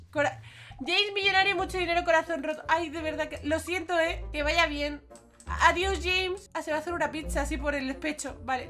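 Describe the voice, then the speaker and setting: A young woman, chatting casually and giggling as she comments on her gameplay. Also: very high voice. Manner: chatty and giggly, with excited squeals. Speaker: gaming YouTuber.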